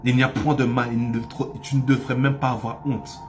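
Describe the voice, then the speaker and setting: A man's voice: mid-range voice, level tone, a little fast, soft background music. A man preaching a sermon as pastor, with impassioned delivery that rises to cries and repeats phrases for emphasis.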